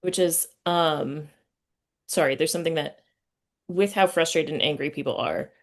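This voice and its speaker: A woman with a fairly low voice talks in a relaxed interview setting as the host. She is thoughtful and halting, often stopping partway through a sentence to search for the right words. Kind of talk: casual conversational interview.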